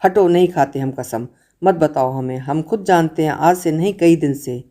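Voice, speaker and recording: A woman's voice: deep voice, normal speed, warm tone, close to an everyday voice. A woman voicing a teasing bossy brother. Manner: teasing, threatening to tell mother.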